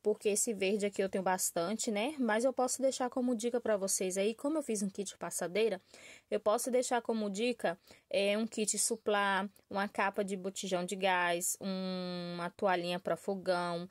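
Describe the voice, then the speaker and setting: A woman's voice: mid-range voice, steady tone, normal speed, no room sound. Chatty Brazilian-born woman crafter, dry sound. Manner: chatty, warm-hearted, addresses viewers as "gente", frequent "tá?" and "né?" tags. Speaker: crochet channel host. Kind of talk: casual tutorial talk to viewers. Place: small room at a work table. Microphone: camera filming her hands and table from above.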